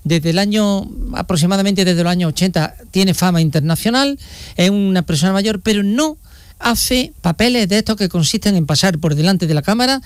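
Guy reporting live, kinda high voice, jokey and rambly, dry close sound. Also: moderate pace, clear, resonant tone, no room sound. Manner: joking, rambling with fillers and restarts. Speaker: regional correspondent.

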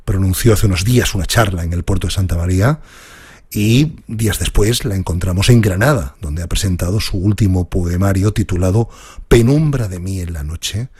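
A man hosts a formal interview with a very low, husky voice. He reads a polished introduction and asks measured questions. The sound is close and dry, with no room around it. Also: a little mellow, dry recording. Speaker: interviewer host.

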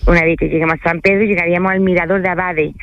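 A woman's voice: fairly low pitch, fairly even intonation, rapid-fire, no echo, lo-fi sound. A woman from France, a tour guide, talking casually in a radio interview and often checking in with her listener mid-sentence. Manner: chatty, keeps adding "okay?" and filler hesitations.

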